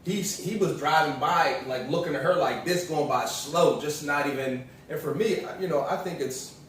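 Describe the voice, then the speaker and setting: A man telling stories in casual chat with his partner, relaxed and rambling, full of fillers. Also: a little high, moderate pace, slight background noise. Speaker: vlogger's partner. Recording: echoey room, mic at a distance.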